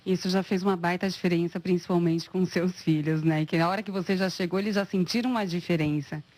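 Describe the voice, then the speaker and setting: A woman interviewing a patient and his wife, asking measured, caring questions. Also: lowish voice, steady tone, a little mellow, dry recording. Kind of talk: TV health interview.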